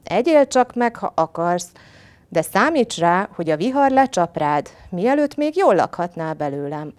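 A woman's voice: on the low side, very animated, a little mellow. A woman voicing a clever male rabbit in a storybook tale, urgent and coaxing. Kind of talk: storybook reading.

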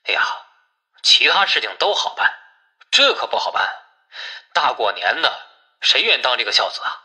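A man's voice: medium pitch, big pitch swings, normal speed, sharp tone. A man voicing a grumbling, superstitious village man in an audiobook, exclaiming and reluctant, through a telephone effect.

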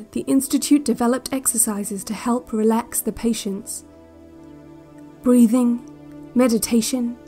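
A woman playing a calm, controlling institute narrator on a relaxation cassette, speaking in a measured and quietly menacing way. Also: a little high, natural voice. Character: soft-spoken, controlling female institute narrator on a relaxation tape. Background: music.

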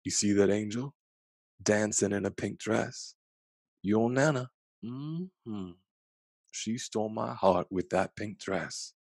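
Man as a gravelly, gentle old grandpa. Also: fairly low pitch, no room sound, exaggerated voice. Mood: fond, nostalgic. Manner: folksy, slow, humming "mm-hmm". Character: gentle, loving old grandfather with folksy wisdom.

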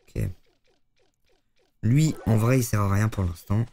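A man giving live commentary on his own gameplay to chat, excitable and swearing often. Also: lowish voice, a little slow, soft background music. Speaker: streamer.

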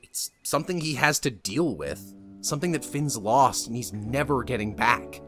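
A man's voice: mid-range voice, lively intonation, moderate pace, a bit bright, faint music behind, pitched below the performer's own voice, natural voice. A man playing a weary, earnestly melancholy writer in a cartoon sketch. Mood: somber, resigned.

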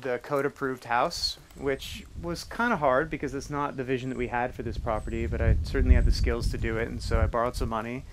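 Against a noisy background, an American man in his forties talks briskly with few pauses and fairly even intonation in a mid-range voice. A farmer and craftsman, he walks around his small farm, indoors and out, explaining his handmade off-grid setup step by step in an earnest, practical, casual tour.

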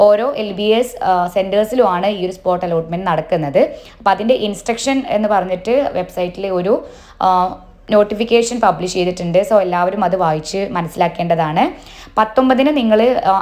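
A woman giving an informational update in a voice-over, brisk and instructive, with frequent filler sounds. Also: mid-range voice, darkish tone. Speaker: education vlogger. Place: voice-over, not seen.

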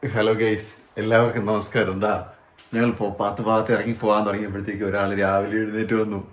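A man's voice: lowish voice, little pitch movement, fast. A man talking casually to viewers as a family vlogger, chatty and rambling, recorded outdoors by a car on a handheld phone. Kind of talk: casual vlog talk to viewers. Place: outdoors by a car after church.

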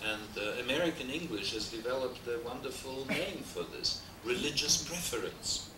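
An older man with an Austrian German accent lectures in a wood-paneled hall, pausing on fillers and slipping in dry jokes. His voice sits at an ordinary male pitch and comes across distant and roomy. A steady hiss from an old VHS transfer runs underneath. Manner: discursive, frequent hesitations, dry humor. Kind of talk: academic lecture. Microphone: desk mic on stand.

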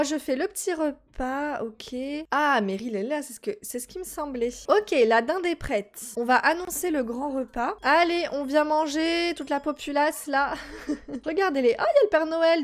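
Chatty young French woman gaming. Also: high voice. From France. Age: 20s. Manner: chatty, exclamatory, talks to viewers. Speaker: gaming YouTuber. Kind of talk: casual let's-play commentary.

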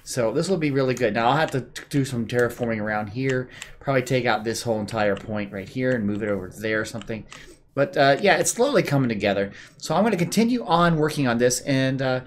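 A man hosting a gameplay video, calmly explaining his build step by step with plenty of "uh"s, while his voice is going a bit hoarse. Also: mid-range voice, quick pace, a little hiss or hum. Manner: relaxed, explaining step by step with many "uh"s. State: losing his voice. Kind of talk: casual building commentary.

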